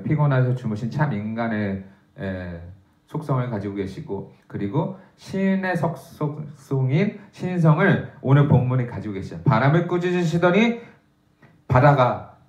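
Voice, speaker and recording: Man, pastor, conversational dawn sermon, reads verses with emphasis, echoey room, muffled recording. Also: medium pitch. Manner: conversational preaching with frequent "예" fillers; reads scripture aloud with raised emphasis.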